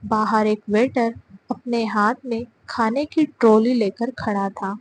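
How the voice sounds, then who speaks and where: A woman narrating a romance audio story in an even storytelling delivery. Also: a little high, poor audio.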